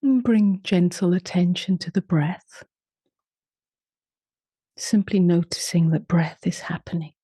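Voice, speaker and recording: A woman leading a guided meditation in a soft, slow voice, humming between phrases and often trailing into a whisper. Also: lowish voice, slightly rough, no room sound. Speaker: meditation teacher.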